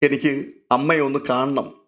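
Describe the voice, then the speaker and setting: A man's voice: mid-range voice, little pitch movement, normal speed, fairly bright tone, close to an everyday voice. A man voicing a grieving young woman who pleads tearfully for her mother in a spoken novel.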